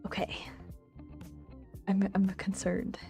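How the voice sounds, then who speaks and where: Woman VTuber, mid pitch, expressive livestream read-aloud of a visual novel, giggly asides, game music underneath. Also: slow, vocal fry. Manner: giggly, expressive, stumbles while reading aloud. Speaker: streamer, VTuber.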